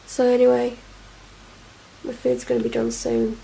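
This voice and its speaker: A young woman with a cold talks into her camera at home, rambling and self-deprecating. Her voice sits a little high with a gravelly fry at the ends of phrases, and a faint hiss runs behind her. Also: sing-song, unhurried, warm tone, rough recording. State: congested, snotty from a cold. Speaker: vlogger. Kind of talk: casual chatty vlog to camera. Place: at home, indoors. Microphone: camera mic.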